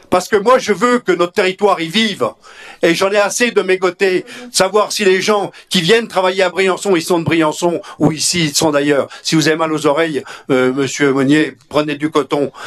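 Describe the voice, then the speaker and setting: Talking at a moderate pace, a man uses a high pitch with ordinary pitch variation. His loudness stays very even. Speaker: mayor chairing a town council. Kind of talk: heated council debate. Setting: town council meeting.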